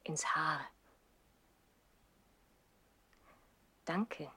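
An actress playing a coy, gentle seventeen-year-old noble girl in a 1960s radio play, with a soft manner. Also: low-pitched, slow pace, breathy edge, heavily acted. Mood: shy, tender.

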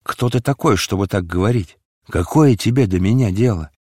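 Low-voiced, brooding, embittered rebel, played by a male narrator. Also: lively intonation, normal speed, mellow, no room sound, clean studio sound. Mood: dejected, bitter. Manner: dejected, bitter. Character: gloomy, passionate young Barabbas, brooding and bitter.

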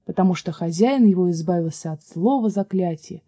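A woman reading a fairy tale aloud in a calm, measured way. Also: on the low side, husky, no room sound. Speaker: storyteller.

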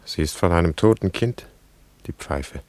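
An actor playing a grave, haunted Jewish wanderer with a gravelly voice, solemn and halting in a poetic radio drama. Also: male voice, low voice, lively intonation, darkish tone, no room sound. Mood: mournful.

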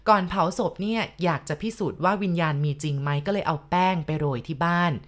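A woman tells a ghost story in a slightly low, steady voice. She speaks politely and turns to address her listeners directly as she recounts the events. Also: fast.

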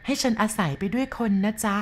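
A woman voicing a vengeful young female ghost with a thin, high, chilling voice that coaxes slowly. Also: slight background noise, close to an everyday voice. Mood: eerie coaxing. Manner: slow, coaxing.

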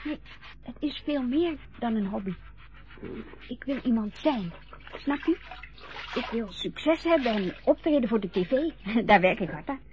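A high, lively voice of an eager young woman chasing fame, played by a woman in a radio play. She talks in bursts and trails off into fillers. The recording sounds dull and lo-fi. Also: a little slow. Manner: lively, hesitant with many fillers. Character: young woman dreaming of stardom, eager, chatty. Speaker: lip-sync performer. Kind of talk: Dutch radio play acting.

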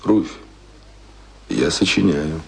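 An actor in a radio play playing an earnest, passionate young self-taught would-be writer, speaking ardently and poetically. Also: male voice, a bass voice, lively intonation, takes it slowly, creaky, full character voice. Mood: earnest, determined.

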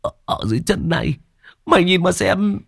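A man voicing a jittery, easily scared young male thief, shrill and stammering. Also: normal speed, creaky, husky, no echo, clean studio sound, exaggerated voice. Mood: panicked.

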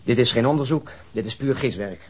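A man acting a fast, gruff, cynical police detective. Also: mid-range voice, close to an everyday voice. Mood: irritated, sarcastic. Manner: sarcastic, grumbling, blunt. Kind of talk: Dutch radio drama acting. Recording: noisy recording with background ambience.

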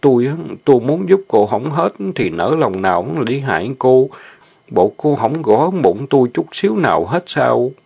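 A man's voice: mid-range voice, lively intonation, moderate pace, gravelly, a little mellow, pitched above the performer's own voice. A man voicing a bashful, lovesick young farmhand who stammers. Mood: pleading. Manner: stammering, hesitant.

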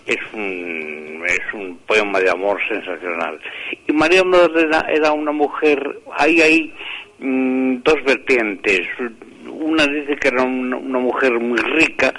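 A man, a priest and author, telling stories slowly in a radio interview, with many hesitations and restarts. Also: mid-range voice, a bit bright, low-quality recording.

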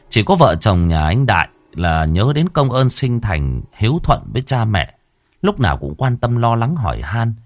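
A man, narrating a folksy ghost story in a lively, colloquial way. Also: on the low side, dry recording.

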